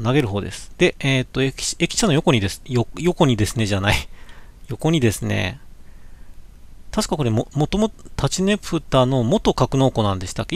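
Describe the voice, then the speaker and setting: A man's voice: medium pitch, creaky. A man chatting casually through a slideshow of his cycling trip, musing aloud, correcting himself and reading signs with many small fillers. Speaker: cycling vlogger looking back on a trip. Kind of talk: casual slideshow commentary for a live stream. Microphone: webcam.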